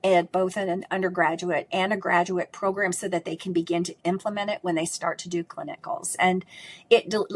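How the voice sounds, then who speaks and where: A woman's voice: on the low side, husky. A middle-aged woman speech pathologist with a strong voice. She answers interview questions in an emphatic, conversational way and often ends her points with "right?". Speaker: speech pathologist and course instructor.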